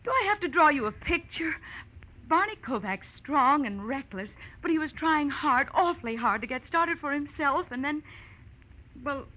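An American woman playing a tough, defiant young femme fatale in a 1940s radio melodrama, sharp and emotional. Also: high-pitched, expressive, moderate pace. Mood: anxious, pleading. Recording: dull vintage radio recording.

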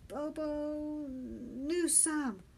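Young male Marine as read by a woman, high voice, frightened, plaintive, breathless yet stubborn, for a storybook. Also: normal speed, darkish tone, slight background noise, close to an everyday voice. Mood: strained. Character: scared, exhausted but stubborn boy Marine, Patty.

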